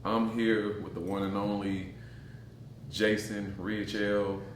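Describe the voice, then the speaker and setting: Deep-voiced Black Southern podcast host, a man. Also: level tone, slow, a little hiss or hum. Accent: Black Southern American. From Mississippi, southern US. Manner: slangy, effusive, repeats himself. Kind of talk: casual interview chat. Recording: echoey room with music behind.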